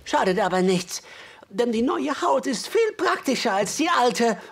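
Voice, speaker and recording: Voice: medium pitch, sing-song, measured pace, creaky. An actor playing a sly, jovial old male trapper in a radio drama, chuckling often and talking in a folksy, clipped way.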